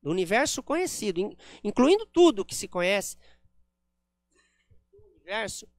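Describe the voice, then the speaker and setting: A man's voice: high-pitched, fairly bright tone, dry recording, clean studio sound. A man giving a spiritist lecture at a center, explaining ideas step by step with frequent "né?" tags. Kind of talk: public lecture with slides.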